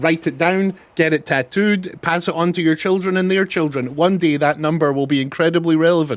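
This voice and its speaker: A man speaks with a Scottish accent at a moderate pace, his intonation lively. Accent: mild Scottish. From Scotland. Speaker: video game streamer. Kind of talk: casual gameplay livestream chat. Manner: animated.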